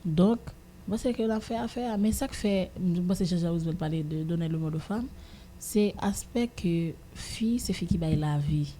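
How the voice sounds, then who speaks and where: Dark, low-voiced Haitian woman, halting. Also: a little hiss or hum. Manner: halting, searching for words, repeating phrases. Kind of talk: casual opinion discussion.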